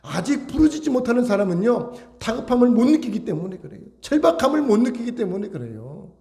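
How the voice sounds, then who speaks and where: A man's voice: very high voice, sing-song, fast, mellow. A male pastor preaching a sermon, emphatic and full of rhetorical questions to his congregation.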